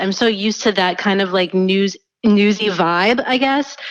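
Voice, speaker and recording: An energetic woman with a Long Island accent at a fairly slow pace. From US Northeast, Long Island, New York. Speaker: running shoe YouTuber. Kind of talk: casual interview. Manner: loud, energetic.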